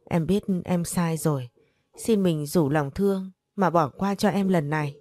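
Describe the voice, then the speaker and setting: Sobbing, begging middle-aged wife, as a narrator puts her on, dark mellow voice, audio story. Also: on the low side, unhurried, no room sound, close to an everyday voice. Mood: pleading. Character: pleading middle-aged wife, tearful and desperate.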